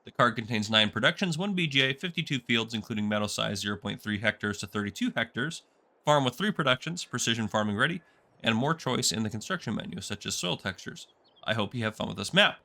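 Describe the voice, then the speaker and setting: A congested man with a sore throat gives an easygoing walkthrough of a game map. His voice sits bright and forward, and he wanders into chatty asides as he goes. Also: medium pitch, lively intonation, quick pace, creaky. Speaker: gaming channel host. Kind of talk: casual game map tour commentary.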